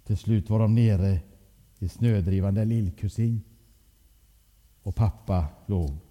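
A man telling a family story to listeners in a lively, animated way. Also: lowish voice. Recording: long hall reverb.

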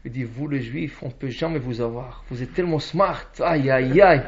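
A man giving a Torah lesson as a lively storyteller, acting out the characters' lines. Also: mid-range voice, moderate pace. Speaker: rabbi. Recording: dull lo-fi recording.

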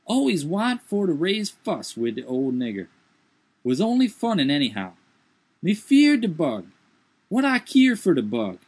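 A man's voice: on the high side, wildly swooping pitch, unhurried, darkish tone, breathy edge, pitched above the performer's own voice, heavily acted. A man voicing a fretful old manservant, speaking in a thick old-fashioned dialect in a strained, raised voice. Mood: grumbling. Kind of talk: audiobook character voice.

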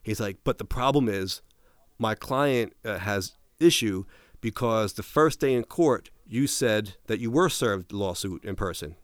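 Low-voiced man telling a story, clear and dry. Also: lively intonation, measured pace, no room sound. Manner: detailed retelling with frequent restarts, quoting others. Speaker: interview guest. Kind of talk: casual conversational storytelling.

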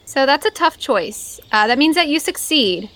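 A woman game master narrates and explains the rules, her voice sitting somewhat high. She thinks aloud, pausing and filling gaps as she goes. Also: lively intonation, bright, forceful tone. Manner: thinking aloud, with frequent fillers.

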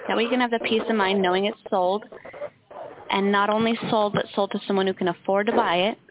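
Female phone agent, steady persuasive script, hissy phone audio. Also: mid-range voice, fast talker. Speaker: real estate buyer's phone agent. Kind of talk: scripted sales pitch on a phone call. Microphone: telephone. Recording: tinny phone line with clear hiss.

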